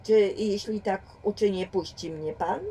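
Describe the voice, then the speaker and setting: A woman's voice: mid-range voice, a little slow, dark tone, a little hiss or hum, close to an everyday voice. Woman doing a stammering nervous young man. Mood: timid. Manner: stammering, hesitant, unsure. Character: nervous young male novice thief. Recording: distant home mic.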